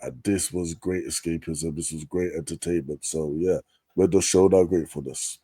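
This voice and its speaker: A man's voice: low-pitched, fairly even intonation, normal speed, mellow, husky, no room sound. A man co-hosting a wrestling podcast, chatty and casual, filling his talk with "like" and "man". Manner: chatty, lots of likes and mans. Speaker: co-host.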